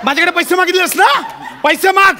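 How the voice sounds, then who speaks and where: A man with a Marathi accent, shouting orders and bullying in a live comedy sketch on stage. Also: very high voice, fast talker, in a large hall, crowd noise, noisy background. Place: stage before a live audience.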